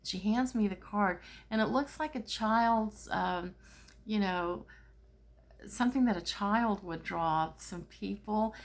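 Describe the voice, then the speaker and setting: A woman's voice: medium pitch, slow pace. A middle-aged woman, a spiritual therapist, telling a personal story in a casual, rambling way with many fillers and restarts.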